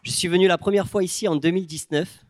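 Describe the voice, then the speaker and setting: A young man from the south of France with a southern French accent, preaching a sermon and telling stories with lively quoted voices. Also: high voice, quick pace, no echo. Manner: animated storytelling, quoting people in changed voices.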